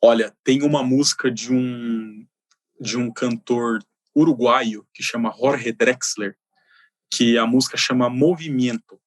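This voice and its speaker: A man's voice: mid-range voice, fairly even intonation, unhurried, no room sound. A man, an expert guest on a podcast, speaking enthusiastically and with jokes and many fillers. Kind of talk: casual interview chat.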